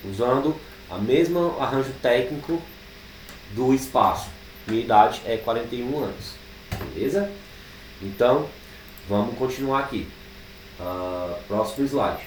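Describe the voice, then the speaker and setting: A Brazilian man teaching programming, thinking aloud as he types code, with drawn-out fillers. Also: mid-range voice, darkish tone, far from the mic. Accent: Brazilian Portuguese. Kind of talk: live coding class. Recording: echoey room, speaker away from the mic, faint background noise.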